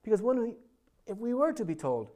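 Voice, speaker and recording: A man delivers a sermon in a fairly high voice. He tells stories with animation, jumping to loud bursts and then dropping to hushed asides. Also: big pitch swings, brisk. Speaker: pastor.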